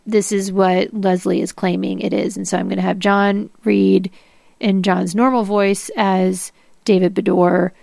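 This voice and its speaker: A woman's voice: medium pitch, little pitch movement, measured pace, gravelly, darkish tone, dry recording, studio quality. A woman co-hosting a podcast, reading documents aloud and explaining them. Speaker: podcast co-host.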